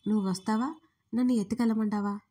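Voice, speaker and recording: A woman's voice: medium pitch, steady tone, fast talker, husky, close to an everyday voice. A woman voicing a stern, insistent young man. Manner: forceful, insistent.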